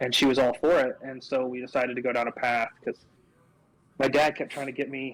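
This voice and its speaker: This is a man speaking at a medium pitch. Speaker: podcast co-host. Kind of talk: casual chat. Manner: loud.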